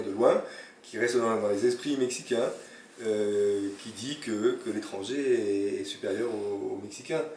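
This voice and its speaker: A man's medium-pitched voice at a fairly slow pace, ordinary pitch variation, audible room echo and noticeable background noise. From France, Burgundy. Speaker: company distribution manager. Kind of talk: interview. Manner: halting, many hesitations.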